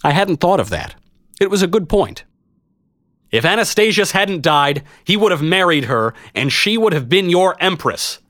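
A man acts out a reluctant fantasy knight, flustered and blustering. His pitch jumps around as he bluffs at heroism, in a dry, close storybook recording. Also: very animated, normal speed, dry recording. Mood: earnest. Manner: blustering, self-doubting, exclamatory.

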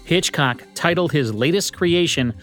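A man's voice: a little high, animated, measured pace, a bit bright. American man narrating over music. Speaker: podcast co-host. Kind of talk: scripted podcast narration.

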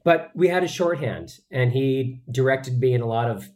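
A man's voice: mid-range voice, lively intonation, moderate pace, darkish tone. A man, an actor, answering interview questions in an earnest, chatty way, with many fillers and restarts. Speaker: actor guest.

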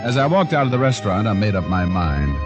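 A deep-voiced wisecracking private eye. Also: male voice, big pitch swings, quick pace, dull audio. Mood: narrating. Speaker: private detective. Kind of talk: 1940s radio acting. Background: music score.

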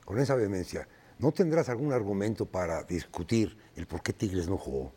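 A man's voice: sits low, lively intonation, moderate pace, dark tone, breathy edge. A man debating as a sports pundit on a heated panel. His talk is colloquial and full of stammered restarts. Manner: stammering restarts, colloquial, apologetic then pushing back.

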